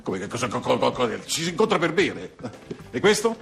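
An actor playing a strict, exasperated male etiquette teacher in a comedy film, curt and quick to correct. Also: medium pitch, sing-song, creaky, soft background music.

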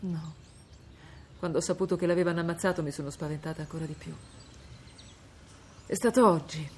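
A woman's voice: fairly low pitch, a little mellow, a little hiss or hum, close to an everyday voice. An actress playing a middle-aged mother under threat, tense and urgent in a TV drama. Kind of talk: TV drama acting.

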